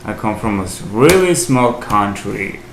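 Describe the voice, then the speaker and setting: A young man from Albania with an Albanian accent, answering interview questions in halting English as he searches for words. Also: on the low side, lively intonation, vocal fry, fairly bright tone. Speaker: podcast guest. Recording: echoey room, faint hiss.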